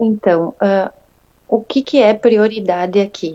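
A woman's voice at medium pitch. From southern Brazil, Rio Grande do Sul (Bento Gonçalves). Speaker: Brazilian living abroad. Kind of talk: remote interview.

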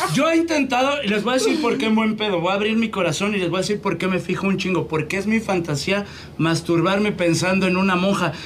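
Talking at a very fast pace with hardly any pauses, a man with a high pitch keeps his loudness very even and his intonation lively over noticeable background noise. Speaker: comedian. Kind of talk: casual chat.

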